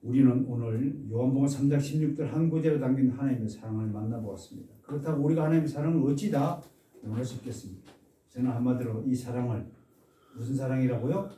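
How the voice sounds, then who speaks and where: A man preaching an expository sermon as a pastor. He stresses key words with loud exclamations and asks the congregation questions. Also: mid-range voice, fast talker. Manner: asks the congregation questions and has them repeat phrases. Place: church sanctuary. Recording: echoey church room, mic at a distance.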